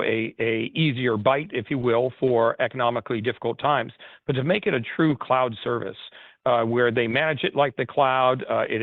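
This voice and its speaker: A man speaking as a chief executive on an investor call, explaining emphatically in a halting way with repeated words. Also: medium pitch, dry recording. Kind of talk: spoken answers on an investor conference call. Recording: narrow phone conference line.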